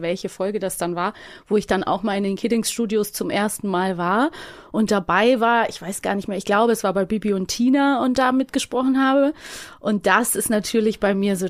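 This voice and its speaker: A woman speaking as a podcast guest, a voice actress telling personal stories in a casual way. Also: medium pitch.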